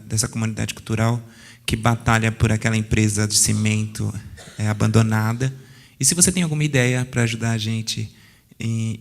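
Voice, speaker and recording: A man's voice: lowish voice, gravelly. A man with a São Paulo accent, asking a question from the audience in a hesitant way with restarts. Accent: São Paulo Portuguese. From São Paulo periphery, Brazil. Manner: hesitant, restarts, flat delivery. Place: museum auditorium.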